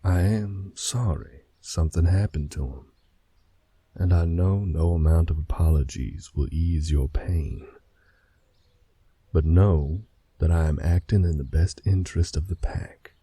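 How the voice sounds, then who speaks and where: A man voicing a stern, protective male werewolf pack leader in a fan audio drama, with a husky, gravelly voice and a firm, measured delivery. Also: deep voice, dark tone, no room sound.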